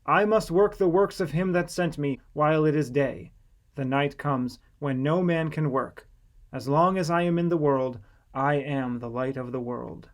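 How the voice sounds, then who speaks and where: Male narrator as a solemn, calm teacher, measured delivery, fairly high male voice, scripture audiobook. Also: close to an everyday voice.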